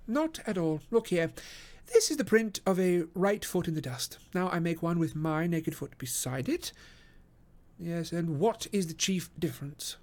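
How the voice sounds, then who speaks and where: Guy doing a bossy victorian detective, higher voice, crisp and quick to give orders, audiobook style. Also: expressive, a little mellow. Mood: brisk. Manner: crisp, directive, instructing. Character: brisk commanding Victorian male detective. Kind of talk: audiobook character voice.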